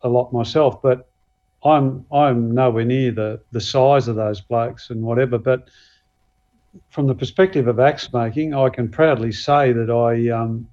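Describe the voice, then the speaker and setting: An Australian man, a guest axe and knife maker, talking casually and modestly with many pauses and fillers. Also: mid-range voice, steady tone, a little mellow, muffled recording. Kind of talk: casual podcast chat.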